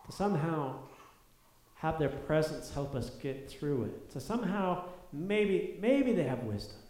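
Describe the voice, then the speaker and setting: A man's voice: on the high side, expressive, unhurried, a little mellow. Earnest man preaching in an echoey hall. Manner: earnest, building to emphatic peaks with repeated phrases. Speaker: pastor. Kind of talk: sermon. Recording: echoey room.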